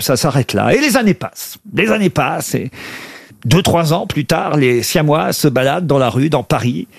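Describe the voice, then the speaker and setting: A man hosting a radio show, telling a joke in an animated way and bantering with guests in the studio. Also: on the high side, vocal fry, husky, dry recording. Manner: animated storyteller, playful questions.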